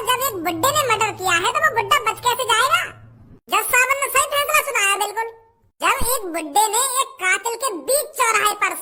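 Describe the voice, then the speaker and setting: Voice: extremely high pitch, pushed and bright, heavily acted. A performer voicing a cranky old man in a cartoon who has been sentenced to hang, scolding in rustic village speech.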